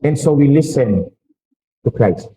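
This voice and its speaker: A Catholic priest with a Filipino accent preaching a sermon, asking rhetorical questions and cracking quick jokes. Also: male voice, medium pitch, animated, mellow, roomy sound, slight background noise, rough recording.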